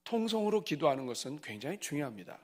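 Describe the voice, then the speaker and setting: A middle-aged man preaching at a church revival, moving from soft asides to loud cries. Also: a little high, sing-song, fast talker. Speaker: pastor. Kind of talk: revival sermon. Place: church sanctuary.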